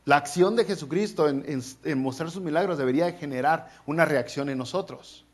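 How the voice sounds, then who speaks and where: A man preaching a sermon as pastor, animated, with playful asides and mock voices. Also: fairly high pitch, brisk.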